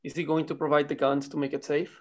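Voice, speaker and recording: A man's voice: fairly high pitch, little pitch movement, quick pace, darkish tone, lightly acted. A man reading the part of a wry, cautious small-town man in a drama table read.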